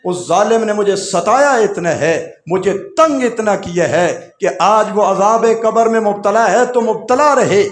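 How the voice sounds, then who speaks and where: A man voicing a bitter old mother who refuses to forgive her son, in a loud, unyielding, raised voice within a sermon story. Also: high voice, animated, hardly any pauses, reverberant, voice pushed up. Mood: unforgiving.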